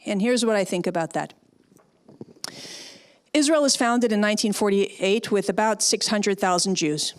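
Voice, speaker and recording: A middle-aged woman from Canada speaks to an audience with emphatic conviction, building her points with rhetorical questions. Her pitch sits in the ordinary middle for a woman, and her delivery is firm and persuasive. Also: normal speed, long pauses. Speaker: guest speaker, former speechwriter. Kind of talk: public talk and audience Q&A.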